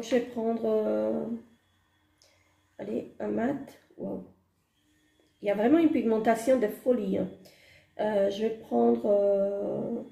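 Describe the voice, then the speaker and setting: A woman with a hoarse voice, chatting hesitantly through a makeup haul with many fillers and gushing exclamations. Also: a little high, dark tone, echoey room. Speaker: beauty vlogger. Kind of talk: casual makeup haul chat. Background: construction noise.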